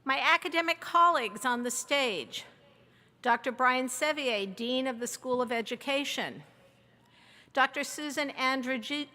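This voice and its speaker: A woman serving as interim provost, reading formal introductions of names and titles in a measured way. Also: high voice, pushed and bright, in a large hall. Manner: measured, reads a long list of names and titles. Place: large outdoor or hall ceremony over a PA.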